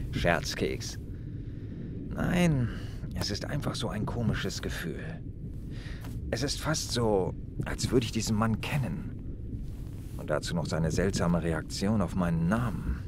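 A man's voice: sits low, expressive, slow, long pauses, exaggerated voice. An actor playing a male police detective on vacation, polite but firm with dry humor. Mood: pensive. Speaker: police commissioner character. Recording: noisy background.

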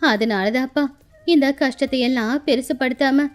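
A woman voicing an affectionate, sorrowful elderly village grandmother, speaking slowly and plaintively in a children's moral story. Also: sits high, lightly acted. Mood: tender, resigned. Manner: plaintive, slow, tender.

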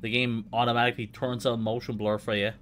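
A man's voice: medium pitch, level tone, fast talker, a bit bright, slight background noise. A man hosting a gaming livestream in casual, slangy, informal chat. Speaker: livestream host, speedrunner.

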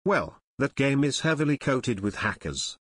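A male text-to-speech robot voice reading scripted, deadpan, mocking commentary on a video game. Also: mid-range voice, moderate pace, breathy edge, no echo.

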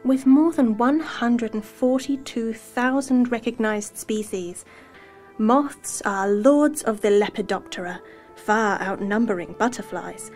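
Young woman narrating, measured and a bit high, soft music in the background. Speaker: voice actor. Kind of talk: scripted narration reel.

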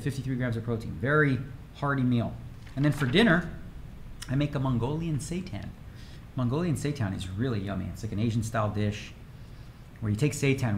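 A man's voice: mid-range voice, a little hiss or hum. A man in his forties chatting energetically and rambling while streaming a game from his home room. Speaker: poker streamer. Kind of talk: casual livestream chat.

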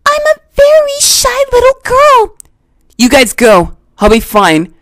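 Lady voicing a spunky anime kid hero, high bouncy voice, kinda slow, eager. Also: huge pitch swings, no room sound, clean studio sound, full character voice. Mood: excited. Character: eager spirited boy hero, about ten. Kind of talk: cartoon voice impression demo.

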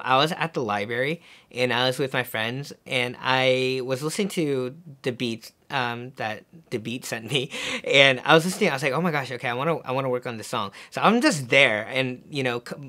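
Fast-talking young man, easygoing interview. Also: mid-range voice. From Korea. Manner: relaxed, filler-heavy, laughs often. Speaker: singer-songwriter. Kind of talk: casual documentary interview. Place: music studio with mixing console.

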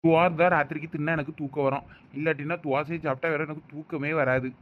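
An anxious village husband with a Thoothukudi accent, played by a man in a rustic drama. His voice is high for a man, fast and grumbling with impatience. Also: steady tone, muffled recording, slight background noise, lightly acted. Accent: Thoothukudi Tamil.

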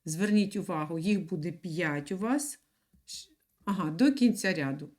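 A woman teaching young children in an online lesson, speaking slowly and clearly and repeating words for them to write down. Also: on the low side, expressive, a little mellow. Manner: patient, slow and clear, repeats words for dictation. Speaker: primary school teacher.

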